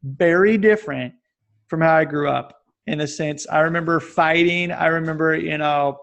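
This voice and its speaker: At normal speed, a man with a voice on the high side, vocal fry, and a fairly bright tone rambles casually as a podcast guest. He is in his forties, hails from Kansas, and refers to his own talk as babbling.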